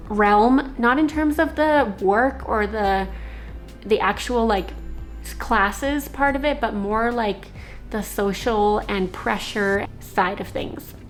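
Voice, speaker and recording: A young woman born in Slovakia, a native Slovak speaker, telling a rambling personal story as a vlogger, with many fillers. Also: medium pitch. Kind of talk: casual storytelling.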